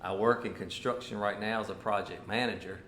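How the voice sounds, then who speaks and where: A man's voice: fairly low pitch, steady tone, brisk, a bit bright, a little hiss or hum. A man in his fifties from Virginia, a mayoral candidate being interviewed, talking in an easygoing, loose and rambling way. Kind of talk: casual interview conversation. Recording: roomy echoey sound.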